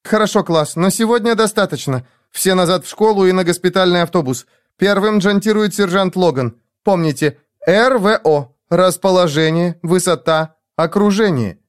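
A man voicing a lonely, high-strung young woman who pleads and frets. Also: normal speed, hardly any pauses, clear, resonant tone, no echo, studio quality, natural voice.

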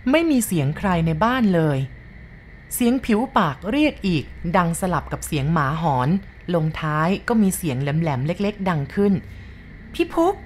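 A woman reading a first-person ghost story aloud in a dramatic, hushed storytelling manner. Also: on the low side, a little hiss or hum.

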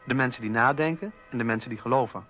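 An actor playing a principled French Enlightenment philosopher, reciting political writings in an earnest, rhetorical manner with a husky voice. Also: male voice, medium pitch, fast, faint music behind, close to an everyday voice. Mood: earnest, grave. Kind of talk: dramatised reading of political writings. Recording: dull, muffled radio recording.

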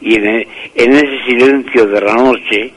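A man, a priest and author, telling stories slowly in a radio interview, with many hesitations and restarts. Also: medium pitch, fairly even intonation, low-quality recording.

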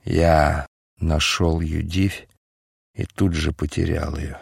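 A man's voice: extremely low pitch, flat delivery, takes it slowly, creaky, breathy edge, dry recording, studio quality, pitched below the performer's own voice, heavily acted. A man voicing Barabbas, a passionate, brooding man speaking with dejected bitterness. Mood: dejected, bitter.

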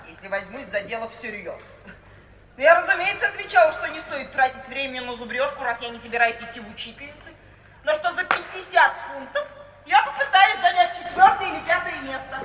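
An actress playing a frank, practical, self-possessed young woman graduate in a 1950s radio play, speaking briskly and bluntly. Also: sits high, sharp tone, far from the mic. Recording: echoey hall, old 1950s radio recording, hissy.

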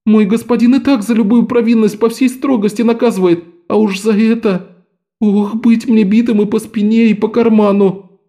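A man's voice: high-pitched, steady tone, normal speed, warm tone, voice pushed up. A man voicing a young thief who pretends to be a sobbing errand boy, pleading and whimpering.

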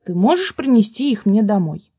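A woman voicing a stubborn peasant man who scolds loudly and with emphasis, in a storybook reading. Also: medium pitch, big pitch swings, moderate pace, slightly rough, dry recording, studio quality. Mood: reasoning.

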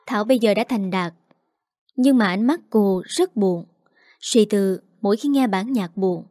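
A woman reading a dramatic story aloud, narrating in a steady scripted style and voicing every character herself. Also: mid-range voice, a little slow, no room sound, clean studio sound.

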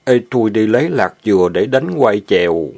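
A man's voice: lowish voice, animated, moderate pace, darkish tone. A man voicing a bashful, lovesick young farmhand who stammers. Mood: pleading. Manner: stammering, hesitant.

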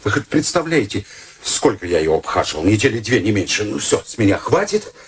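An actor playing an excitable middle-aged man in a radio play, an evasive womanizer who wheedles and stammers when cornered. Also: on the low side, a little fast, slight background noise. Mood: flustered, pleading.

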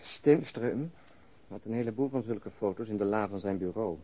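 An actor playing a weary, wry police detective and husband in a naturalistic radio drama, speaking in a laconic, dry, understated way. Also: male voice, lowish voice, normal speed, mellow, breathy edge. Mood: pensive.

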